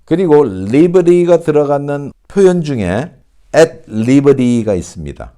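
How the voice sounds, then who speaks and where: A male English teacher with a mellow voice talks through an online pronunciation lesson at an unhurried, careful pace. His intonation rises and falls expressively as he explains, and he drawls out the example sentences very slowly. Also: fairly high pitch, sing-song.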